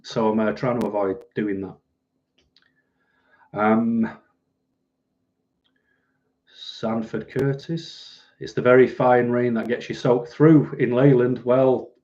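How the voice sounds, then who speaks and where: Mellow northern English man, softened Mancunian accent. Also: medium pitch, steady tone, slow pace, long pauses, muffled recording. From northern England, Manchester. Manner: rambling, dry, sardonic. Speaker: livestream host. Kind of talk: casual livestream chat, reading out and answering viewers' comments.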